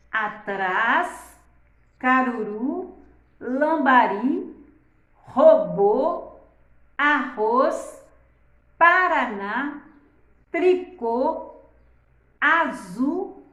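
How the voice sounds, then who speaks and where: Slow, high-voiced woman teaching grammar. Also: a bit bright, reverberant. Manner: drawn-out, syllable-stressing reading of words; uses the diminutive "palavrinha" and "né?". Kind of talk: slow, careful grammar lesson.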